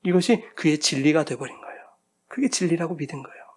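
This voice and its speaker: A man's voice: a little high, expressive, fast, breathy edge. A male pastor preaching a sermon, emphatic and full of rhetorical questions to the congregation.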